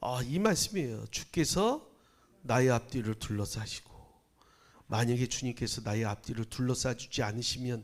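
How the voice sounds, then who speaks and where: The tone is animated, with ordinary pitch variation and a moderate pace, in a very clean recording with a silent background. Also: man, medium pitch for a man. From Gyeongsang Province, Korea. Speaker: pastor. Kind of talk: sermon. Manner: conversational, animated.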